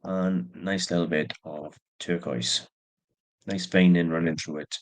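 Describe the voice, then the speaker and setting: A man with a low, fairly flat voice speaks a little slowly, stuffy from allergies and yawning. He casually shows off and describes the antique silver jewelry he sells, chatting away with plain asides in a show-and-tell style.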